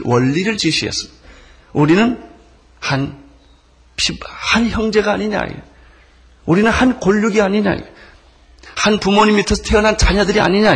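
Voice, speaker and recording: Husky guy pastor giving a sermon, voice bouncing all over, punchy then quiet. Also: on the high side. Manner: emphatic preaching with lively swings between loud stresses and soft drops.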